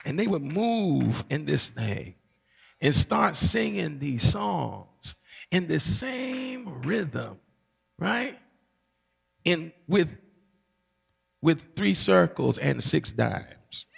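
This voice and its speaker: A pastor's gravelly, husky voice rises and falls with lively pitch as he teaches. He repeats key phrases for emphasis and checks in with the congregation. The sound carries the long reverb of a large hall. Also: drawn-out words, long pauses. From Barbados. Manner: preacherly, call-and-response asides, emphatic repetition. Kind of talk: teaching sermon.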